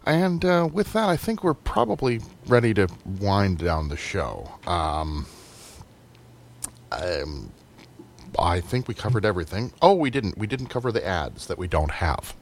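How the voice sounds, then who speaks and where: A man's voice: on the low side, very animated, a little slow, slight background noise. A man hosting a casual radio show, rambling with dry jokes while losing his voice. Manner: rambling, dry joking, many hesitations. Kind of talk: casual chat.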